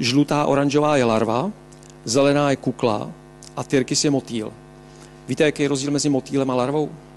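A man speaks at a fairly quick pace and a fairly high pitch, with fairly even intonation and long, frequent pauses. There is noticeable background noise. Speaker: author and lecturer. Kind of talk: lecture. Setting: small room, livestreamed lecture. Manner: halting.

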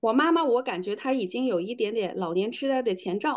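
A woman speaks in an animated tone at a high pitch, her voice making very wide pitch swings at a moderate pace against a quiet background. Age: 50s. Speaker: anti-aging business operator; guest. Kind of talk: testimony. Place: home room. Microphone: video call.

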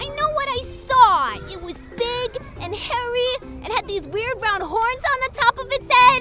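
A woman's raised, projected voice sits at an extremely high pitch, with ordinary pitch variation and a fairly slow pace. Music plays in the background. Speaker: voice actor. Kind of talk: voice reel character acting. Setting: home recording booth. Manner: flustered, comedic. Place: booth. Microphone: studio mic.

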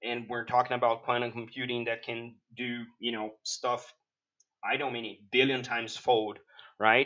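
At a moderate pace, a man with a Portuguese accent speaks at a medium pitch in a monotone, flat intonation. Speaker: podcast host. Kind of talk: interview.

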